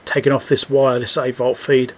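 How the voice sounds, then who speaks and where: A man giving a casual, unscripted technical walkthrough as a repair host, halting as he thinks aloud. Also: medium pitch, level tone, a little mellow.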